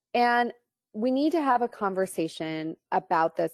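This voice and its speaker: A woman with a Midwestern accent speaks fairly slowly with lively intonation, in a dry, close sound with no echo and a quiet background. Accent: Midwestern, getting stronger. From US Midwest, Minnesota. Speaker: reproductive rights activist. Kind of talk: webinar presentation.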